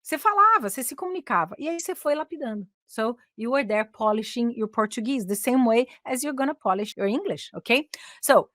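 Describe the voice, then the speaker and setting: A Brazilian woman coaching English communication, chatting in a lively teaching manner and often switching into English with a Brazilian accent. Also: on the high side, a little fast, few pauses, no echo, studio quality. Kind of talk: casual teaching talk.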